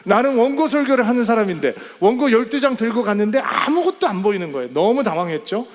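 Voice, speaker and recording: A male pastor telling a story in a sermon, animated and acting out the quoted voices. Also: extremely high pitch, fast talker. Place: church sanctuary. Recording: church hall with long reverb.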